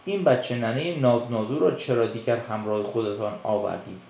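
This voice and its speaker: A man's voice: medium pitch, gravelly, darkish tone, slight background noise, close to an everyday voice. A man voicing a brave, clever little black fish who speaks firmly and with scorn for cowards, in a storybook reading. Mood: defiant. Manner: scornful, firm. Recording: echoey room.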